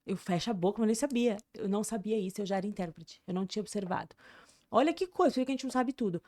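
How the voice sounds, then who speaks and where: A woman's voice: medium pitch, animated, rapid-fire, darkish tone, dry recording, clean studio sound. A Brazilian woman chatting casually as a podcast guest, explaining things emphatically with examples like a language teacher.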